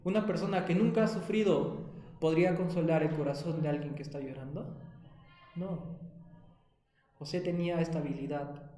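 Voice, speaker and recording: A man's voice: a little high, moderate pace, long pauses, warm tone, echoey room. A man with a Peruvian Spanish accent teaching a Sunday school Bible lesson to children, often asking them questions. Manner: asks the children frequent questions.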